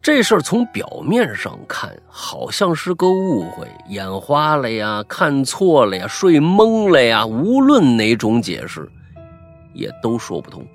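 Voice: medium pitch, wildly swooping pitch, a little slow, soft background music. A storyteller narrating a ghost story dramatically, often stammering and repeating words for suspense.

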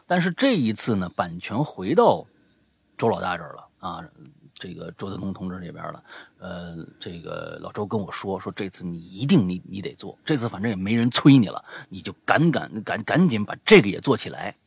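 A man with a very low voice full of gravelly fry hosts a show. He promotes it in loose, casual talk, often repeating a phrase to drive it home. The sound is dry and close. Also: lively intonation, brisk, no room sound. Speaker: show host and audio storyteller.

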